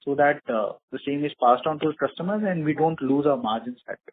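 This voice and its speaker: A man with an Indian accent, speaking formally and in measured explanations as an executive answering questions on an earnings call. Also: on the high side. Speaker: company executive answering investors. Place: conference call. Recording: muffled narrowband phone line, slightly rough.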